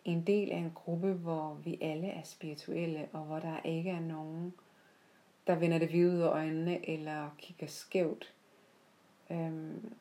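A woman with a soft-edged, mellow voice, pitched a little low. She shares personal reflections without a script, in a heartfelt manner, pausing mid-sentence as she finds her way. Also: little pitch movement. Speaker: podcast host. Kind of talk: unscripted reflective personal storytelling.

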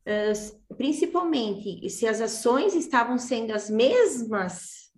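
A woman's voice: fairly high pitch, expressive, slow, darkish tone. A woman coach chatting casually with a colleague, speaking hesitantly with many restarts. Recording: echoey room, faint noise.

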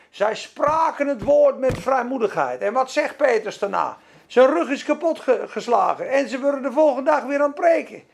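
A man's voice: very high-pitched, gravelly, husky. A man teaching a Bible lesson, preaching emphatically and repeating key words for effect.

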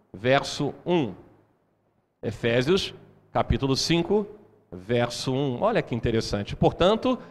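A man preaching a sermon, lively and often turning questions to the congregation. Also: a little high. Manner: animated, asks the congregation questions. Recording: hall reverb.

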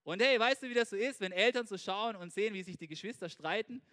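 A man giving an informal, animated sermon, talking straight to his listeners and checking in with them constantly. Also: high voice, fast talker, smooth. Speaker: preacher.

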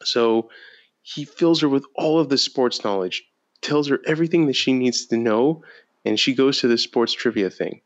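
A man co-hosting a casual sports chat podcast, telling stories in an animated way and laughing often. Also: mid-range voice, normal speed, dull audio. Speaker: podcast co-host.

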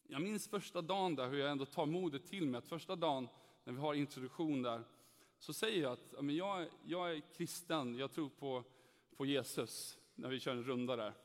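A young man giving an earnest personal faith testimony, telling his story animatedly and acting out the dialogue. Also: fairly high pitch. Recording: echoey hall reverb.

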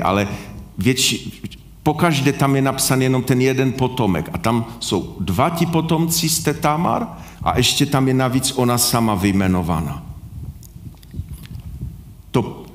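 Earnest male preacher in an echoey room. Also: medium pitch. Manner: asks the congregation questions, earnest. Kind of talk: sermon.

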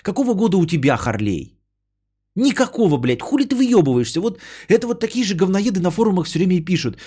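A man's voice: sits high, big pitch swings, fast talker, mellow, slightly rough. A man hosting a podcast, chatting casually with his live chat in a rambling, profane, worked-up way.

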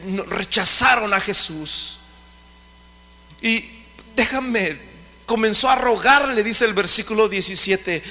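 Fervent high-voiced man preaching. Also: in a large hall. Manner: fervent, rising to shouts. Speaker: pastor. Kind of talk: sermon.

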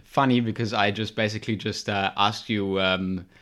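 A man's voice: on the low side, fairly even intonation, moderate pace, a bit bright. A young man hosting a podcast, talking casually with a lot of hesitation and filler words. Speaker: podcast host.

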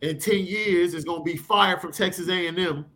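Man, podcast host, animated, slangy, fairly high voice. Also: normal speed. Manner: excited, slangy, reads super chats. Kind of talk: animated sports podcast banter.

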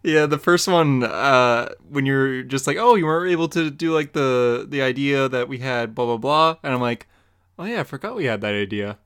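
A man's voice: medium pitch, normal speed, clear, resonant tone. A young man co-hosting a podcast, chatting casually with frequent laughs and jokes. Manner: laughing, joking, relaxed. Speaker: podcast co-host and comic artist. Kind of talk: casual chat.

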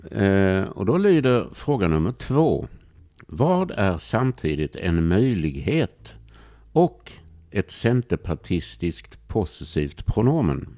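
Guy reading quiz questions on a podcast, low raspy-ish fry, lots of ehs, dry close mic. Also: very animated, dark tone, no echo. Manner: hesitant, many fillers, reads questions. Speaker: quizmaster. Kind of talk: casual podcast quiz hosting.

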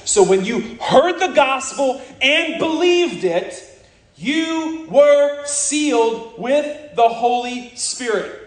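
American man, high-pitched fiery preacher, blunt and scornful, recorded with room echo. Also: expressive, slow. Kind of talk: sermon.

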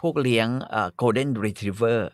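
A man hosting a podcast, reading a story aloud and chatting about it, animated with casual swearing. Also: medium pitch, slow pace, no echo, clean studio sound. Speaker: podcast host.

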